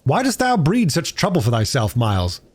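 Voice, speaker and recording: Storybook young squire, played by a man: raised pitch, swooping intonation, brotherly scolding in old-fashioned speech. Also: huge pitch swings, normal speed, husky. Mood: chiding. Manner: archaic, scolding phrasing.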